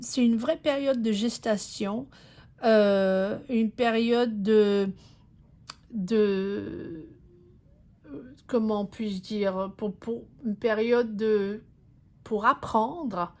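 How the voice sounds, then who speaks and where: A woman reads tarot cards for her viewers. Her voice sits a little high and she talks slowly. She hesitates often and restarts her phrases, while keeping a reassuring tone aimed straight at the listener. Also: darkish tone. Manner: slow, hesitant, many fillers and restarts; reassuring, addresses the viewer directly. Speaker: tarot reader. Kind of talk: intuitive tarot reading.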